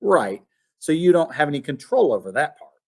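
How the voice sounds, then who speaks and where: A man's voice: a little high, very animated, moderate pace, darkish tone, slightly rough, full character voice. A man voicing a patient female math teacher in a storybook, encouraging and instructive. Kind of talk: storybook read-aloud.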